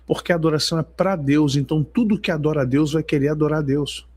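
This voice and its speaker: A man's voice: a little high, steady tone, quick pace, a little mellow, husky. A man, worship leader and preacher, telling a testimony in an emphatic, storytelling way and acting out the dialogue. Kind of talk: sermon testimony.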